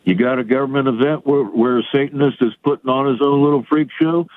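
A man's voice: mid-range voice, dry recording. Man in his fifties on a phone line. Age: 50s. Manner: halting, with many fillers and restarts. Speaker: caller. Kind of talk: call-in phone conversation. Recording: thin phone-line audio.

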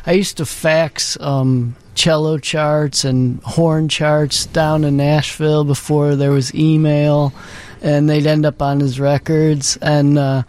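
A man in a radio studio, talking casually and at length, with many pauses and ums. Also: a little high. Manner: relaxed, rambling, many ums. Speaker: music professor and multi-instrumentalist. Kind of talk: casual radio interview talk.

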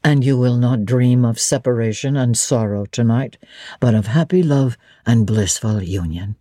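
A woman voicing a brooding, commanding gentleman. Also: rumbling low, normal speed, no echo, studio quality, voice pushed down. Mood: tender. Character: brooding commanding gentleman, middle-aged man.

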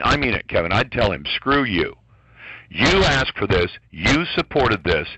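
A man speaking as a talk radio guest, low in pitch and forceful in tone. He argues in a punchy, indignant way. The studio sound is close and dry. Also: slightly rough, no echo, rough recording. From born in Taiwan to American parents. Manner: combative, indignant, punchy delivery. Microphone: studio microphone.

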